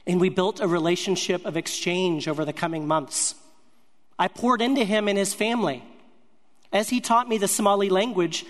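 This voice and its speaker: A man's voice: high-pitched, big-room sound. A man telling a personal faith story as a sermon, earnest and speaking in short broken-up phrases. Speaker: speaker sharing a ministry testimony.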